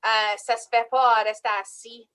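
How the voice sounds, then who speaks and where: A woman leads a casual panel talk in a fairly high voice. She presses her points hard and repeats the phrases she wants to land. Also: moderate pace, smooth. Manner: animated, emphatic, repeats key phrases. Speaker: panel moderator.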